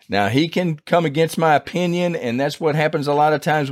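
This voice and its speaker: Fairly quick and fairly high-pitched, a man talks in a plain, everyday voice with ordinary pitch variation on a very clean recording with a silent background. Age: 50s. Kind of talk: Bible teaching monologue. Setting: solo recording, screen share without camera. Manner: earnest, preacherly.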